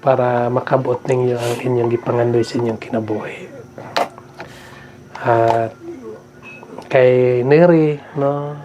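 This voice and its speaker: A man's voice: medium pitch, little pitch movement, slow pace, long pauses. A man hosting a vlog, telling a story in a chatty way and often asking "no?". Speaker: vlog host. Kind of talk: casual vlog talk to viewers. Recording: noisy outdoor ambience.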